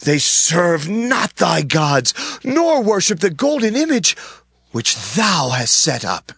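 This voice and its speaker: A man's voice: high-pitched, big pitch swings, slow, a bit bright, breathy edge, dry recording, clean studio sound, heavily acted. A man playing a scheming Chaldean courtier who formally and emphatically denounces his rivals to a king in a scripture drama. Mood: obsequious, accusing.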